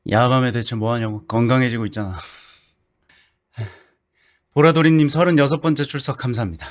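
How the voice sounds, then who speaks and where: A man chatting casually with his livestream viewers, thinking aloud in a chatty, animated way. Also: medium pitch, a little fast. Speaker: livestreamer, VTuber.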